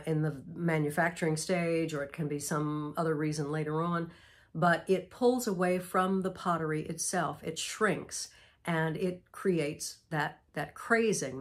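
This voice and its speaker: Soft, husky woman with a stuffy cold. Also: deep voice. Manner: gentle, measured explaining. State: nasal from a cold. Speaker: vlog host. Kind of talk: casual instructional vlog. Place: antique mall, indoors.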